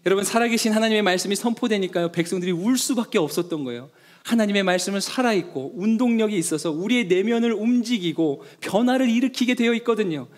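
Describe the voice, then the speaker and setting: A man's voice: sits high, fast. A male pastor giving an earnest sermon, mixing personal stories with emphatic appeals to the congregation.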